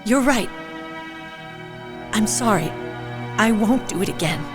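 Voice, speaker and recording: Young woman soldier for a game: self-doubting, sincere, medium pitch, strong musical backing. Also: animated, slow pace, over music. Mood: apologetic. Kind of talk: dramatic video game voice acting.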